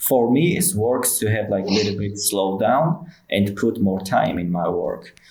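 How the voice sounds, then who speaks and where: A man talks at a fairly slow pace with a fairly low pitch and a non-native accent. Noticeable background noise and audible room echo are present. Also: lively intonation. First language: not English. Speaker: 3D designer. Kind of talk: casual chat. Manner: halting.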